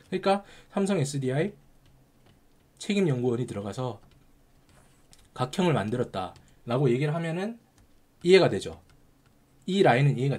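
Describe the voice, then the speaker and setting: Somewhat breathy, a man talks at a fairly quick pace, his pitch swinging very widely. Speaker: stock market commentator. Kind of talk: market analysis monologue. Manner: conversational, rhetorical questions.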